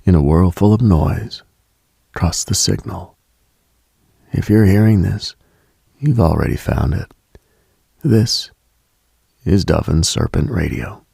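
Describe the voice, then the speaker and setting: Late night radio guy, really slow and creaky, hushed husky voice, intimate thoughtful rambling w long pauses. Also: low voice, expressive, dry recording, studio quality. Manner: hushed, contemplative, with long pauses between short phrases. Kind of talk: intimate late-night monologue in soft ASMR-like delivery.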